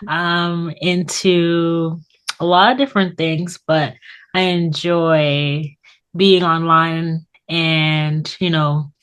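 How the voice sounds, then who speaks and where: A Canadian woman around thirty speaks as a guest in a casual chat. Her voice is a little lower than average for a woman. She talks informally, often interrupting herself and circling back. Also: steady tone, extremely slow, fairly bright tone, clear, resonant tone. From Toronto, Canada.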